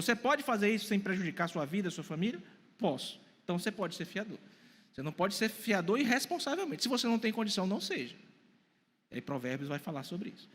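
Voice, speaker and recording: A man's voice: high voice, pushed and bright, big-room sound. A man in his forties preaching a sermon to a congregation, putting questions to them and answering them himself. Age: 40s. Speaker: pastor. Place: church hall.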